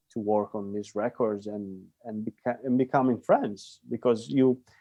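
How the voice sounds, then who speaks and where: Against a quiet background, a man with an Italian accent speaks at a moderate pace, the sound dry and close with no echo. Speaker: guitarist and producer. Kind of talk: interview. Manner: halting, many restarts.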